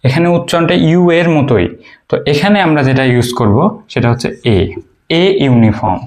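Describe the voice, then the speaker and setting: In an informal video lecture, a Bangladeshi English teacher walks through basic grammar step by step, his voice somewhat high, expressive and darkish. He hesitates and uses fillers often as he thinks, posing questions to the listener and answering them himself.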